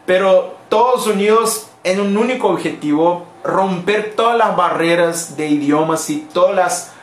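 A man's voice: high voice, moderate pace, reverberant, a little hiss or hum. A Brazilian man whose first language is Portuguese, hosting a playful live-stream language lesson and switching between languages.

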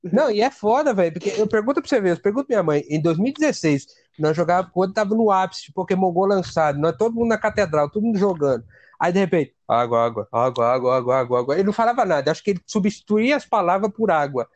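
A man in casual comedic chat, telling animated stories with a lot of swearing. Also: high-pitched, racing, no room sound. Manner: crude, animated storytelling with swearing.

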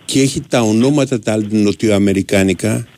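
A man's voice: on the low side, a little mellow, a little hiss or hum. Bantering male sports radio host. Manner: bantering, quick interjections. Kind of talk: casual sports radio chat.

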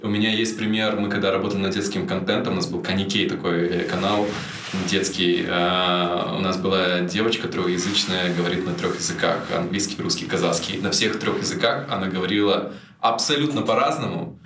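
Casting: fairly low-voiced man, halting guest talk, roomy room, faint hum behind. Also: steady tone, far from the mic. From Kazakhstan. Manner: thoughtful, hesitant, many restarts. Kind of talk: casual chat. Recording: roomy, from off mic.

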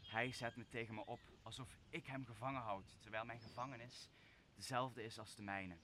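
A young man playing a wronged, commanding exiled sorcerer in a Dutch radio play, speaking solemnly and deliberately. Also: medium pitch, steady tone, background noise, lightly acted. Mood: commanding, brooding. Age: young adult. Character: wronged exiled sorcerer master, brooding and commanding, father figure. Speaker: drama student actor.

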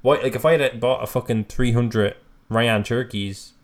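A man's voice: mid-range voice, fairly even intonation, moderate pace. A man co-hosting a podcast, chatting casually with rambling, self-mocking banter and the odd swear. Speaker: podcast co-host. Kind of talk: casual chat.

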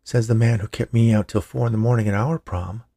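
Man voicing a doting mom, slightly lifted pitch. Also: fairly even intonation, brisk, mellow, no echo, studio quality. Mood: chiding. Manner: doting, chiding. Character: fond, protective mother of a teenage son.

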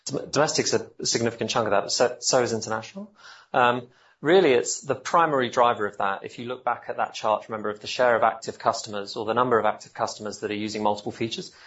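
A man answering questions as a company executive on an earnings call, explaining in halting, self-correcting phrases. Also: mid-range voice, a bit bright. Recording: dull, band-limited call audio.

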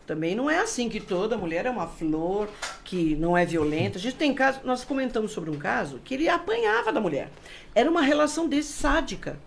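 Middle-aged Brazilian woman, forensic expert guest; lively, gravelly delivery. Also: on the high side, a little fast, a little hiss or hum. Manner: animated, explanatory, acts out quoted speech. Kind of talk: casual interview talk.

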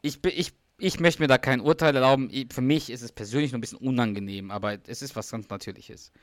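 Male podcast co-host, a bit hoarse, dry close sound, retells scenes at length with fillers and restarts. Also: medium pitch, fast, no room sound. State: slightly hoarse, lost some voice. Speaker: podcast co-host recapping a sitcom episode. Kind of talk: casual chat.

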